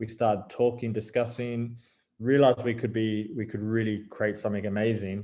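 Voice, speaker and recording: A man with an Australian accent, a dark, mellow tone, a monotone, flat delivery at a moderate pace, and a quiet background. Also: medium pitch for a man. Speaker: illustrator and NFT artist. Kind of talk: interview. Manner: casual, hesitant with fillers.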